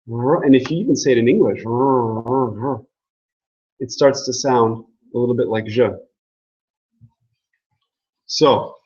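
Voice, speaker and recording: A man's voice: mid-range voice, darkish tone, slightly rough, highs cut off. A man giving a casual classroom lecture on language, joking and asking the class questions. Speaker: language teacher.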